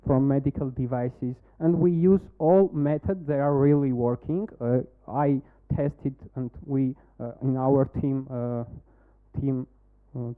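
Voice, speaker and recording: A man with an Armenian accent pitching a startup, then answering questions in halting English while searching for words. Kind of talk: demo day pitch and Q&A. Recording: phone-like narrow band.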